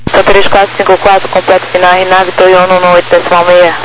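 A man's voice: high-pitched, completely flat delivery, fast. A Brazilian man working as an air traffic controller, giving clipped procedural instructions over the radio. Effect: radio transmission. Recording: noisy aviation radio channel.

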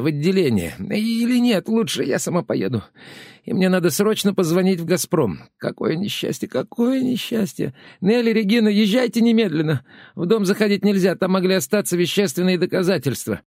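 A man voicing an elderly woman who is shrill, agitated and commanding, in an audiobook. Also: expressive, fairly quick, a little mellow, dry recording, studio quality. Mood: frantic. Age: older.

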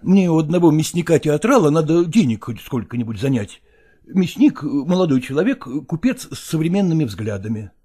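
A nervous, evasive male actor in an audiobook, sighing and hedging as he tries to slip away, read by a man. His voice sits low and mellow, rising and falling expressively. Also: sing-song, brisk, breathy edge.

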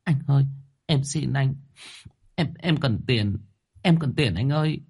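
A man's voice: mid-range voice, expressive, normal speed, warm tone, husky. A man voicing a tearful young woman who pleads with stammering, sobbing words.

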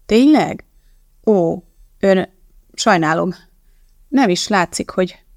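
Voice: medium pitch, lively intonation, no room sound, studio quality, lightly acted. A reader doing a prying, fumbling newsman. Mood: awkward. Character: nosy, awkward middle-aged male journalist.

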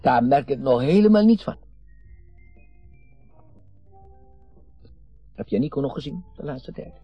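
An actor in his sixties playing a garrulous, meddling, wistful retired father in a radio play, rambling and halting, with sudden emphasis. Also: mid-range voice, animated, husky, muffled recording, faint music behind. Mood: jovial, defiant. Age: 60s. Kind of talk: naturalistic radio drama acting.

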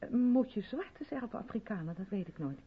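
An actress playing an effusive, self-absorbed white South African theatre director in a 1970s Dutch radio play, chatty and patronising in a theatrical way. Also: female voice, on the high side, lively intonation, brisk, slightly rough. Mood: chatty, purposeful. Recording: dull vintage radio recording.

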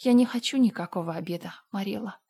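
A woman's voice: mid-range voice, fast talker, creaky, mellow, breathy edge. An actress playing Anne, a dreamy, dramatic orphan girl of about eleven, with emotional, theatrical pleading. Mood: tragic sulking.

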